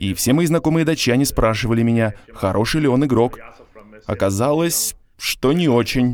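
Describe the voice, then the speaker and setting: A plain, everyday voice talks at a moderate pace with ordinary pitch variation and very even loudness. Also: man, medium pitch for a man. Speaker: podcast co-host. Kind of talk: casual chat.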